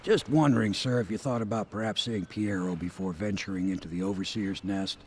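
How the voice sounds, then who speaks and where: A man's voice: fairly low pitch, fairly even intonation, brisk, darkish tone, a little hiss or hum, natural voice. An actor playing a deferential, plain-spoken boatman giving practical advice in a humble way. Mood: respectful, helpful.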